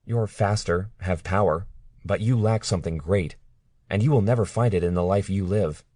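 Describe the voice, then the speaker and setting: A man's voice: deep voice, moderate pace, a little mellow, dry recording, studio quality. A man voicing a defiant, frightened young captive woman in an audiobook, speaking in an earnest, pleading way. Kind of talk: audiobook character reading.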